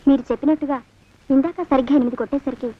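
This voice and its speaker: A woman's voice: sits high, fairly even intonation, very fast, lightly acted. An actress playing a naive, obedient young village girl who answers meekly and innocently. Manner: innocent, meek. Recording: dull lo-fi film soundtrack.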